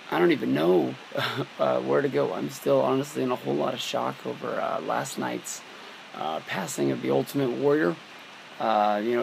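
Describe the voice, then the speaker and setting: A young man's scratchy, hoarse voice, thick with gravel and fry, fills this casual vlog. He rambles loosely in a flat, even tone, restarting his sentences and leaning on fillers. A faint hiss of room noise sits underneath. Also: mid-range voice. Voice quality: scratchy, worn-out voice. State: hoarse from a long weekend. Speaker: wrestling vlogger. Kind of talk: casual talk to camera.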